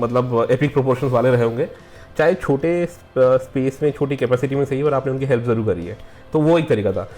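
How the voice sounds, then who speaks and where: A man's voice: mid-range voice, a little mellow. Rambling male interviewer, faint music behind. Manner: rambling, hesitant, many fillers, mixes English into questions. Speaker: interviewer, show host. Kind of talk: casual interview conversation.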